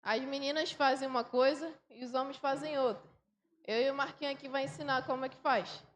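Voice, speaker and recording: High-voiced Brazilian woman teaching a song. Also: steady tone, fairly quick. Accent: Brazilian Portuguese. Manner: demonstrative, chanting and clapping rhythms. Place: church sanctuary. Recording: echoey church room, faint noise.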